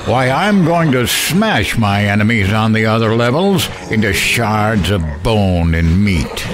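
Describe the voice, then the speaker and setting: An actor playing a weary, ancient and proud duke of hell in an audio drama, delivering a solemn, grandiose monologue. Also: male voice, lowish voice, expressive, measured pace, a crowd in the background. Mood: grim, defiant. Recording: music under the voice.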